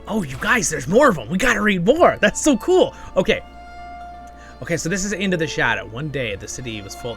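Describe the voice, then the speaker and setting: Animated man commentating on a game. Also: on the high side. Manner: excitable, talks to himself and to viewers. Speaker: gaming channel host. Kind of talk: casual gameplay commentary, with expressive story reading.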